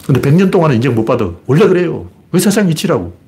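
Blunt, animated male commentator. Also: fairly high pitch, rapid-fire, slight background noise. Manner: blunt, colloquial, argumentative with rhetorical questions. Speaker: political commentator. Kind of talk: solo commentary broadcast.

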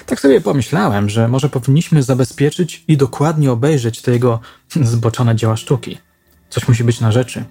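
A man's voice: medium pitch, normal speed, vocal fry, dark tone, slightly rough. A man voicing a suspicious male police captain who speaks in a thoughtful, probing way.

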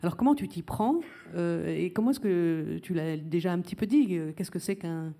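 A woman moderating a live book talk, asking her questions in a halting way with frequent restarts. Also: on the low side, creaky, mellow.

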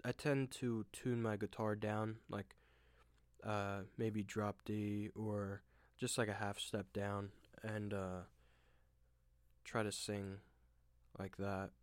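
A young man hosting a solo podcast, rambling and self-deprecating with lots of fillers and restarts, with a deep voice. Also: little pitch movement, slow pace, long pauses, clean tone, dry recording. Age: young adult. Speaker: podcast host. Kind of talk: casual solo monologue. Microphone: desk microphone at home.

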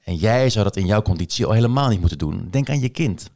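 A man's voice: on the low side, lively intonation, fast talker, a little mellow. A man reading a novel voices a pedantic male psychiatrist. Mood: lecturing.

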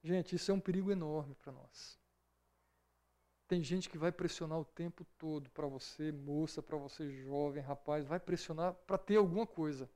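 A man's voice: a little high, normal speed, dark tone. A man with a Brazilian Portuguese accent, leading an informal Bible study lesson in a conversational way and often checking in with his listeners. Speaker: Bible teacher.

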